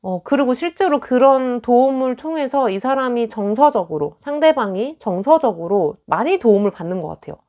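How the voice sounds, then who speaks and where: A woman's voice: on the high side, lively intonation, normal speed, hardly any pauses, dark tone. A young woman in a casual tarot reading, talking chattily and acting out little quoted lines. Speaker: tarot reader.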